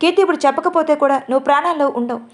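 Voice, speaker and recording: A man's voice: extremely high pitch, racing. A woman doing an urgent, protective young man. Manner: urgent, earnest. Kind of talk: audio story reading.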